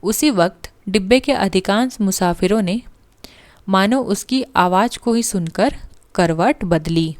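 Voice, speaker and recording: A woman literature teacher reading a story aloud and pausing to explain it to students. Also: medium pitch, a little mellow. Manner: slow, deliberate, pauses to explain.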